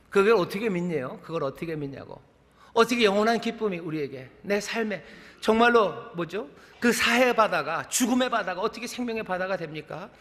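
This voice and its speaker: Male senior pastor, high bright sermon voice, rising calls, long church reverb. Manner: preaching in rising calls and questions. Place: large church sanctuary.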